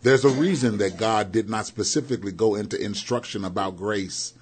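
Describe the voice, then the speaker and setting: A man co-hosting a Christian radio show, preaching fervently, building emphasis and slowing down on key phrases. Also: on the low side, slight background noise. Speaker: co-host, preacher. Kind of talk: preaching in conversation. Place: radio studio.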